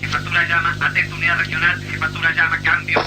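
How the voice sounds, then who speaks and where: A man's voice: on the high side, completely flat delivery, fast. An actor playing a curt, commanding male police headquarters operator who speaks over a two-way radio in formal radio protocol and spells words out letter by letter. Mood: urgent, official. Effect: heard over a two-way police radio. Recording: noisy radio transmission.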